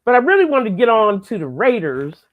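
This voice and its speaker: A woman's voice: fairly high pitch, sing-song, fairly quick, narrow, tinny audio. A woman giving blunt, opinionated takes in a casual sports chat show. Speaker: segment guest commentator.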